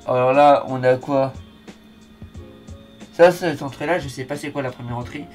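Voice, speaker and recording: A man's voice: medium pitch, normal speed, a little mellow, faint music behind. A man hosting a reaction video with casual, slangy, informal commentary.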